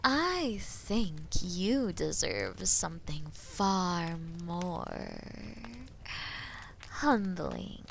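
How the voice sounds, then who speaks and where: A woman playing a haughty, taunting female dragon in a fantasy audio drama, speaking deliberately and often dropping into breathy whispers. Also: mid-range voice, slight background noise, heavily acted. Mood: possessive. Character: haughty, menacing female dragon toying with captive knight. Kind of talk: slow, theatrical roleplay monologue in medieval fantasy audio drama.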